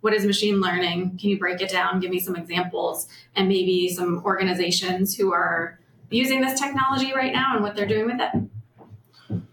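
Woman host, upbeat and friendly, mid-pitched, echoey room with faint hiss. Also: little pitch movement, moderate pace, a bit bright. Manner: upbeat, friendly, laughs easily. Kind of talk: interview hosting.

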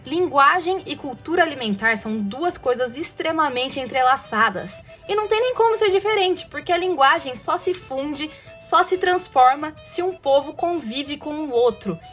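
A woman's voice: sits high, fairly bright tone. A woman from inland São Paulo state with a strong caipira accent, hosting a podcast in a chatty, playful way with sarcastic asides. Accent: Brazilian caipira, rolled-back R. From interior of São Paulo state, Brazil. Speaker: podcast host. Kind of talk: casual educational podcast monologue.

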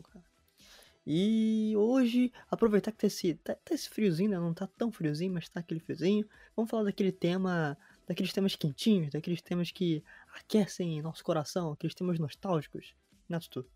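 A man's voice: high voice, brisk, mellow, dry recording, faint music behind. A man of twenty, hosting a podcast in a chatty, slangy way and reading a promo with energy. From Brazil. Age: 20s. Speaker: podcast host.

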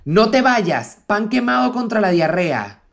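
A man's voice: high-pitched, sing-song, measured pace, vocal fry. A young man with a Venezuelan accent, co-hosting a podcast with wry, teasing remarks and casual swearing. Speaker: podcast co-host. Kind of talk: casual chat.

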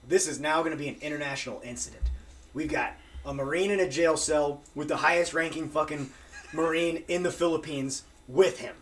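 A man's voice: a little high, a little fast. Profane storytelling man. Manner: animated, profane, acts out quotes. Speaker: podcast guest. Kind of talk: casual storytelling.

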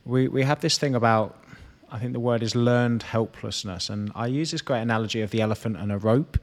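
A man's voice: mid-range voice, fairly quick. A man hosting and coaching, giving conversational, explanatory advice with repetition and quoted examples. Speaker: host and fitness business coach.

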